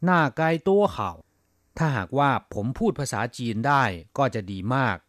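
A man teaches vocabulary on a radio program. His voice is mid-pitched and dry, as if recorded close to the mic in a dead studio. He reads each example phrase with a lift, then explains it. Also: lively intonation, moderate pace, fairly bright tone, no echo. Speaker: Chinese language radio teacher. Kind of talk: radio language lesson.

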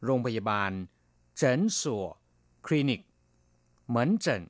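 Lively-voiced male radio language teacher. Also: mid-range voice, unhurried, no echo, studio quality. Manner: patient, explains each word and repeats it.

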